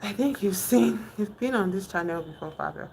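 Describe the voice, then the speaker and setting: A woman's voice: mid-range voice, lively intonation, moderate pace, vocal fry, darkish tone, slight background noise. A young Nigerian woman with a Nigerian accent, hosting a casual live stream, chatting with viewers and thinking aloud with many fillers and restarts. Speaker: livestream host.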